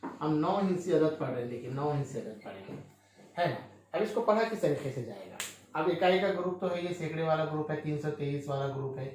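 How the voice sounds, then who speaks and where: A man's voice: a little high, lively intonation, a little fast, darkish tone, heavy reverb, slight background noise. A male teacher explaining a maths lesson, who asks questions and answers them himself with frequent checks on his listeners.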